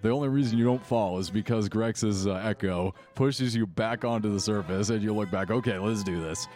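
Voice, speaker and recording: A man running a tabletop game as game master, improvising narration in an excitable, playful way. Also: lowish voice, normal speed, faint music behind.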